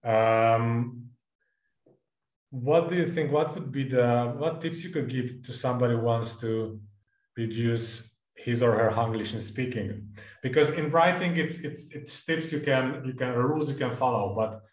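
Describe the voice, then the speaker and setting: A man moderating a conference Q&A over a video call, restarting his words many times while he forms a question. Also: medium pitch. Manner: halting, repeats words while forming a question. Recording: roomy echo.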